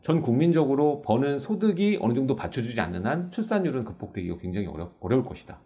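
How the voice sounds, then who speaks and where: A man hosting a talk show, his pitch rising and falling a lot as he works through numbers step by step. His voice sits in a mid range and his delivery is casual and explanatory. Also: quick pace. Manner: animated, explains figures step by step. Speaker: host.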